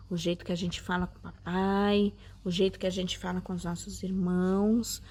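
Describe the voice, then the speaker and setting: A woman gives a Bible lesson to young children in a sweet, coaxing tone. She keeps asking them gentle questions as she goes. She records it at home, facing the camera. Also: medium pitch, slightly rough. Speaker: Sunday school teacher.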